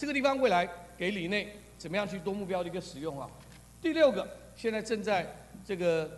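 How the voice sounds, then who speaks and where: High-pitched for a man, this speaker moves at a fairly quick pace. His intonation is lively. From Taiwan. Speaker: city councillor. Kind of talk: council interpellation. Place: hall. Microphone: podium.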